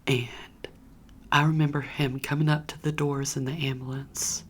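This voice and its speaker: A woman's voice: low-pitched, little pitch movement, normal speed, slight background noise. A woman whispering a candid personal story straight to her viewers in a chatty, conversational way. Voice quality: whispering throughout.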